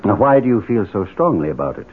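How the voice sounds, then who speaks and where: An actor playing a suave, imperious society leader in a 1970s radio drama, speaking formally and pompously. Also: male voice, on the low side, sing-song, a little hiss or hum. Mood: cool interrogation. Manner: formal, pompous, measured oratory. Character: imperious, suave male leader of secretive moral-crusade society. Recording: tinny 1970s radio broadcast.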